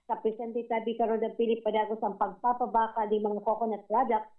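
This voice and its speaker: A woman field reporter calling in to a radio show over a phone line, reading a news report in a formal, steady way. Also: fairly high pitch, brisk. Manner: formal, steady newsreader delivery. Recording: tinny distant phone line.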